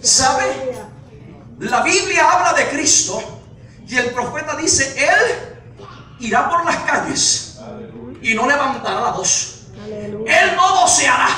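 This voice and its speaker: A man's voice: very high voice, lively intonation, slow pace, pauses often. A man preaching a fiery, emphatic sermon as a pastor, repeating his declarations, recorded from far off in an echoey church hall. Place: small church hall, indoors. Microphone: distant camera in the congregation, voice over speakers. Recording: echoey hall from far off, loud crowd and music. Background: congregation responding loudly, music.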